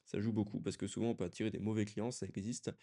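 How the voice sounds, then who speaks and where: Man with a dark, low voice. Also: flat delivery, fast, gravelly. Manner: loose and conversational, with frequent restarts. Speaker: freelance coach. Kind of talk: casual talking-head lesson.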